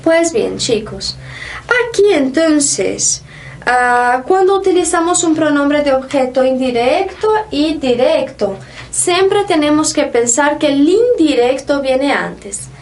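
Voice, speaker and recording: High-voiced woman teaching Spanish. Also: animated. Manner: explanatory, slow, stresses example sentences. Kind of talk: online language lesson.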